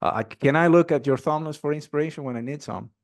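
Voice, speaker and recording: A man's voice: fairly high pitch, fast talker. A man hosting a podcast interview, upbeat and enthusiastic, with casual fillers. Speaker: podcast host.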